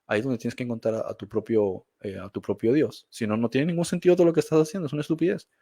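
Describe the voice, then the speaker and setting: A man's voice: mid-range voice, very fast, mellow, no echo, studio quality. A man speaking as a guest in a reflective conversation, emphatic and blunt, often restarting his sentences.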